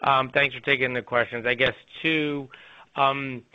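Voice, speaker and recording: A male financial analyst putting questions off the cuff, somewhat haltingly, on an earnings conference call. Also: medium pitch, flat delivery, sharp tone, dry recording. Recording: dry, slightly dull phone audio.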